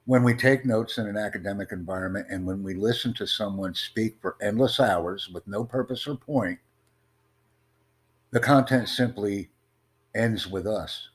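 A man hosting an online voice chat, talking in a formal, measured, promotional way. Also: fairly low pitch. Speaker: host of online conversation. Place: in the United States.

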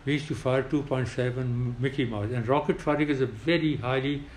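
An older man with a South Asian accent, a retired pilot recounting war memories in an interview in a halting, emphatic way. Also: medium pitch, fairly even intonation, darkish tone, roomy sound. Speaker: retired air force pilot. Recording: clearly noisy background.

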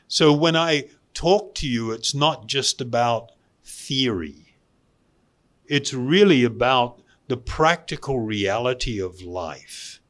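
Male spiritual teacher, mid-pitched, very unhurried delivery with pauses and emphatic repetition. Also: expressive, a bit bright. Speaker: spiritual teacher giving a talk. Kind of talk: spiritual lecture to a live audience.

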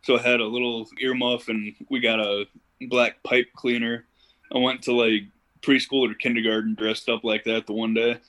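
A man's voice: mid-range voice, flat delivery, moderate pace, fairly bright tone, poor audio. Easygoing young man telling stories. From Ohio. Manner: easygoing storyteller, uses fillers like "you know". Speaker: podcast guest. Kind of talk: casual interview chat.

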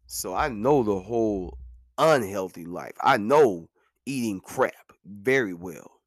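A man's voice: on the low side, expressive, slow, no echo, studio quality. A man in his thirties talking casually and earnestly about his own experience as a podcast host, repeating lines for emphasis and dropping in "man" and "you know what I'm saying.". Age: 30s. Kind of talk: casual monologue.

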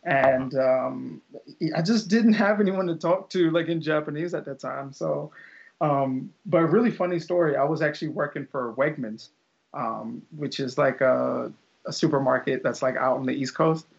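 A man's voice: fairly high pitch, normal speed, gravelly. A young man, a teacher, chatting casually as an interview guest, rambling with lots of fillers and restarts. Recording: dull lo-fi audio.

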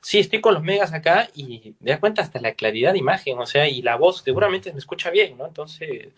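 A man talking as a guest in a casual chat, joking and saying warm goodbyes. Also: fairly high pitch, expressive, a little fast, slightly rough.

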